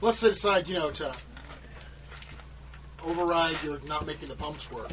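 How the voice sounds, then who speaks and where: A man with a fairly high voice chats bluntly as a player in a tabletop game. The recording is dull and clearly noisy. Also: normal speed, fairly bright tone. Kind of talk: casual table chat and in-character speech.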